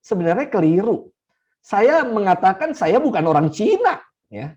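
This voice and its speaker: A man from Indonesia with a slightly high, mellow voice gives a teaching talk as a Catholic priest. He speaks very slowly and repeats key phrases for emphasis. The recording sounds a little dull and lo-fi. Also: very animated.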